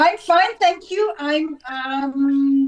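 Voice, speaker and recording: A woman's high voice in a German accent, with lively intonation. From Switzerland. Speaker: schoolteacher. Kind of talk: casual chat. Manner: halting.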